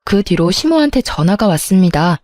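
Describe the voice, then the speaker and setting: A woman's voice: fairly low pitch, big pitch swings, fairly quick, a little mellow, no room sound. A woman narrating a scripted first-person story in a plaintive, aggrieved way.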